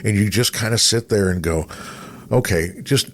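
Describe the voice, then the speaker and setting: A middle-aged man with a lowish voice hosts a casual interview. He rambles through anecdotes like an animated storyteller. There is noticeable noise behind him. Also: moderate pace. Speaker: podcast host, veteran radio broadcaster. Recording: clear background noise.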